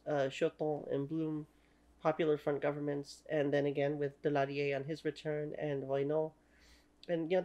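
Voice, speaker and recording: A woman's voice: deep voice, darkish tone. A woman in her thirties with a Canadian accent and French as her first language, giving an opinionated talking-head history lecture at home with many "you know" fillers. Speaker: history channel host. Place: small room at home.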